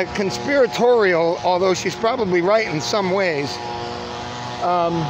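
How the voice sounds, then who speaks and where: A man with a high pitch speaks at a moderate pace with lively intonation. The sound is dry with no echo, though there is noticeable background noise. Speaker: vlogger. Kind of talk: casual vlog chat. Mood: casual, a bit rambling. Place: street. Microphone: phone near.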